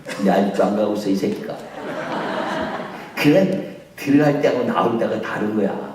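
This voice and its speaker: A male pastor preaching a sermon and telling stories, jumping between loud high acted voices and low quiet asides. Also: moderate pace. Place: church sanctuary. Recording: echoey church hall, mic at a distance.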